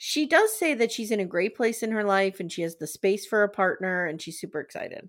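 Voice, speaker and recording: A woman's medium-pitched voice, animated and lively in intonation, at a fairly quick pace with hardly any pauses. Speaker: podcast host. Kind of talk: casual chat.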